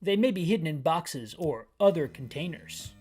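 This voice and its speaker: A man's voice: fairly high pitch, lively intonation, normal speed, a little mellow, faint music behind, natural voice. A man reading the lines of a male radio headquarters officer in a clipped, formal briefing manner.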